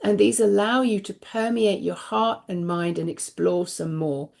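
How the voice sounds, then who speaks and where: A woman hosting an oracle card reading, giving spiritual guidance in a soft, unhurried way that dwells on repeated phrases. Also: steady tone, vocal fry. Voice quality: deep voice. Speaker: host and oracle card reader.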